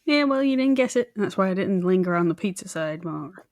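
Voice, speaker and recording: A woman's voice: medium pitch, animated, brisk, a little mellow, no room sound, clean studio sound. A woman co-hosting a true crime podcast, telling the story in a chatty, informal way with wry, joking asides. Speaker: podcast co-host presenting the case.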